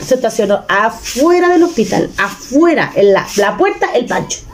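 A woman's voice: on the high side, big pitch swings, normal speed, noisy background. A Chilean woman in her thirties, casually retelling a personal story with emotion and many restarts. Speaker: vlogger.

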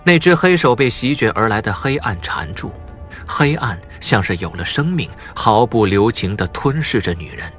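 Male audiobook narrator, deepish voice, very expressive swings in pitch, suspenseful storytelling, music underneath. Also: moderate pace. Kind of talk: dramatic scripted narration of a suspense novel.

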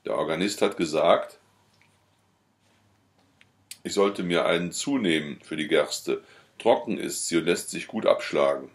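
A man's voice: low-pitched, a little slow, long pauses. A man voicing a meek, put-upon peasant neighbor who talks in an obliging, eager way, in an audiobook.

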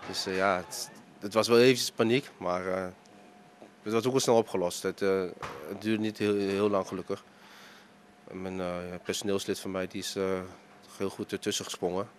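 Guy in his 30s talking into a reporter mic in his restaurant, lots of uh, flat low voice. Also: a little hiss or hum. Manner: halting, many fillers and restarts. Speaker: restaurant owner. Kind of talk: news interview. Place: inside a restaurant dining room. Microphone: handheld reporter mic.

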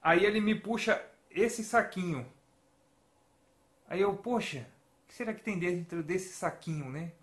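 Chatty Brazilian man, slightly high voice. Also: measured pace, long pauses, a bit bright, echoey room. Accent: Brazilian Portuguese. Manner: chatty, storytelling with many tag questions. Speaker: retro gaming vlogger. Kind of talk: casual chat to camera. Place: home room with shelves of games and toys.

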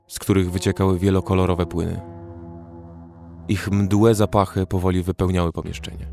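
Male narrator for horror audio story, somewhat deep, dramatic read over light music. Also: darkish tone. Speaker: first-person narrator. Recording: faint music behind.

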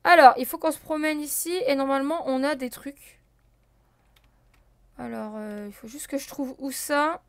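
A woman's voice: sits high, steady tone, moderate pace, pauses often, dry recording. A woman casually commenting on her gameplay as a let's play host, thinking aloud with many fillers and talking to her viewers. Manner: counts and checks items out loud.

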